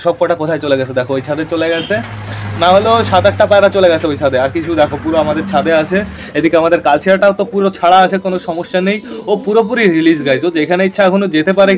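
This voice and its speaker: Quick high-voiced man vlogging with pigeons. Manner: chatty, addresses viewers as guys, coaxes his birds. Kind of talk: casual vlog commentary to viewers. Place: rooftop with pigeons. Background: pigeons cooing.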